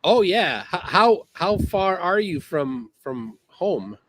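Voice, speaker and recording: A man hosting a casual livestream, reading chat aloud in a halting, laid-back way, speaking outdoors by the water. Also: high voice, sing-song, fairly bright tone, no room sound. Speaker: livestream host.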